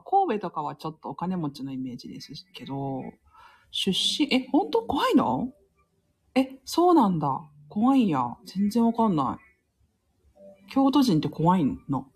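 A woman's voice: medium pitch, a little mellow, breathy edge. Chatty, laughing woman hosting a live stream. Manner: chatty, laughs often, reads comments aloud. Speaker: livestream host reading listener comments. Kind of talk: casual live-stream chat.

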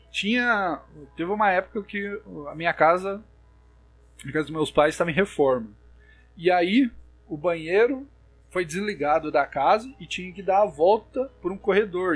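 A young Brazilian man with a Brazilian Portuguese accent chats casually, telling spooky stories with many restarts and fillers. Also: a little high. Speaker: storyteller.

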